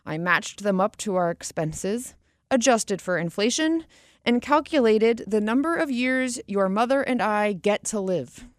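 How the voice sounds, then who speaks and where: A woman voicing an older father who flatly lays out his retirement calculations, in a matter-of-fact way. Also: mid-range voice, unhurried, no room sound, studio quality, pitched above the performer's own voice, lightly acted. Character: fussy older father doing grim retirement math.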